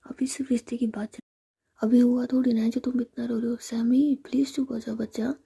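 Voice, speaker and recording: A woman's voice: on the high side, little pitch movement, brisk, creaky, warm tone, husky, heavily acted. A woman voicing a playful, doting young woman in whispered role-play, coaxing and pleading. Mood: soothing.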